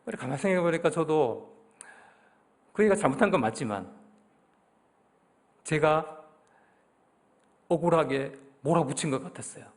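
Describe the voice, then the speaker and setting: A man's voice: a little high, lively intonation, normal speed, pauses often. A middle-aged man with a Gyeongsang accent preaching a conversational sermon to his congregation, often putting questions to them. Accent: Daegu Gyeongsang Korean. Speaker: pastor. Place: church sanctuary.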